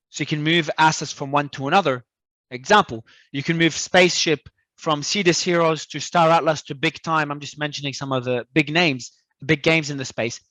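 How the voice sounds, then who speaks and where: A man from Australia, a guest talking in an animated, emphatic way and often repeating words as he restarts. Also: on the high side, no echo. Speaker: crypto entrepreneur guest. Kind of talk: casual interview talk.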